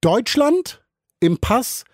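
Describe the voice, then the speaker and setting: A man presenting a radio feature, reading scripted narration in a lively, expressive announcing style. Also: very high voice, extremely slow, no echo, clean studio sound.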